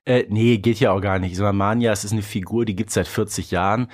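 A man's voice: fairly low pitch, steady tone, fast talker. Colloquial male podcast co-host. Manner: colloquial, often adds "ne" as a tag. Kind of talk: casual podcast chat.

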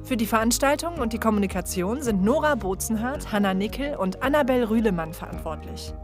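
A woman's voice: fairly high pitch, lively intonation, a little fast. A woman co-hosting a podcast, reading the scripted outro in a friendly way. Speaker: podcast co-host. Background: music.

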